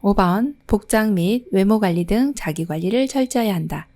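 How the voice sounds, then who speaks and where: A middle-aged woman teaching an exam prep lesson, her voice mellow and warm in tone. She reads each question and its options out at a measured pace, then explains the answer in a friendly, teacherly manner, with her pitch sitting in a middle range. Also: expressive.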